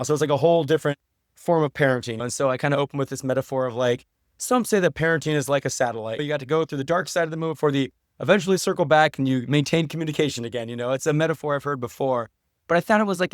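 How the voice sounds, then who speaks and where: Podcast guest: middle-aged American man, chatty storyteller, very quick delivery, dry close sound. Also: on the high side, no echo. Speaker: podcast guest, writer and professor. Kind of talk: casual podcast conversation.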